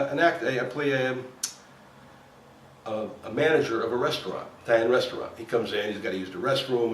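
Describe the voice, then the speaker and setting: A man who is a former cop turned actor, from New Jersey, telling stories in a casual chat and acting out what people said. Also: mid-range voice. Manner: animated storyteller acting out quotes. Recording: echoey room, voice a bit far from the mic, faint background noise.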